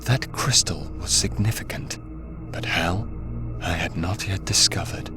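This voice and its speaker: A man voicing a brooding undead wraith antihero in solemn, formal, theatrical game narration with measured delivery. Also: low voice, voice pushed down. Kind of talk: dramatic video game narration. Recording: music behind the voice. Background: music.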